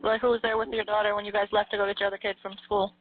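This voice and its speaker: A woman's voice: medium pitch, level tone, rapid-fire. A woman working as a police emergency dispatcher, putting businesslike questions to a caller over the phone. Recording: tinny phone line recording.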